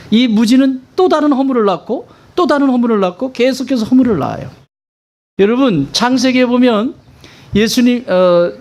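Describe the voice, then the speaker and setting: A man's voice: extremely high pitch, a little mellow. A male pastor preaching a sermon in a conversational way, asking his congregation questions and stressing points emphatically.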